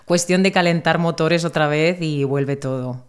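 A woman's voice: low-pitched, moderate pace, clean tone. A woman with a Spain Spanish accent hosting an interview, encouraging her guests with short affirmations. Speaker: host, interviewer. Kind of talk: casual interview.

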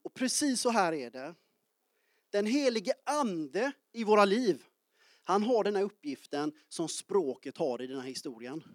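Delivering a sermon to his congregation, this man in his early forties jokes and shouts out to the churchgoers in an animated way. He has a high voice, captured in a dry, clean studio-quality recording.

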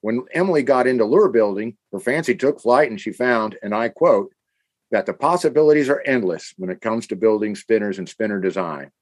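A man's voice: on the low side, fairly quick. Enthusiastic Midwestern man host. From American Midwest. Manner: enthusiastic, animated. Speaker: podcast co-host. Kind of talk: casual scripted chat.

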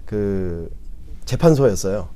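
A middle-aged man from the United States, answering as a professor in an interview in a modest, halting way, often searching for words. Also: fairly low pitch, lively intonation, warm tone, smooth. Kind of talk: unscripted interview conversation.

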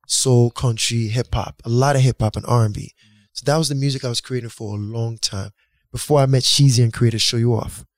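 A man from Nigeria, raised speaking Yoruba, talks through his musical journey in a loose, reflective way. His voice sits at a middling pitch. The sound is close and dry. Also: no room sound. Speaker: guest musician. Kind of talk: casual interview talk.

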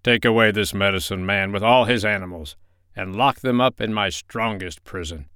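A man's voice: on the low side, normal speed, pushed and bright, clear, resonant tone, no echo, clean studio sound. A man voicing an indignant, imperious king in a children's storybook, giving stern commands.

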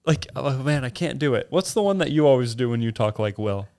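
A man's voice: medium pitch, lively intonation, brisk, a little mellow. A man hosting a casual podcast, asking curious, teasing questions. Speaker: podcast host. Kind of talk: casual chat.

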